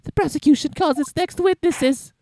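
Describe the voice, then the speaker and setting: A man's voice: very high-pitched, moderate pace, darkish tone, a little hiss or hum, voice pushed up. A man voicing a smug, scheming male prosecutor in a video game, theatrical and menacing. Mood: taunting.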